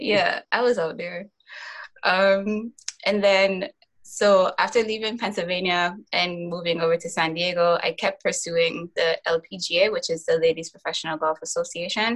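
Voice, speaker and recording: At a fairly slow pace, a woman with an American accent and a medium pitch speaks in a normal speaking voice with ordinary pitch variation. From US Virgin Islands (St. Croix). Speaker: nonprofit founder. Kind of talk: casual chat.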